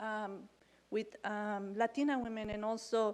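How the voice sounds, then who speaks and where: There is a Spanish accent in the woman's speech. Her voice sits fairly high in pitch. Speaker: community program worker. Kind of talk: conference presentation. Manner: halting.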